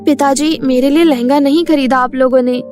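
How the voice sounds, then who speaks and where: Woman as a meek, high-pitched servant girl. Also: fairly even intonation, moderate pace, lightly acted. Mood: pleading. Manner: soft, pleading, plaintive. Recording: music behind the voice.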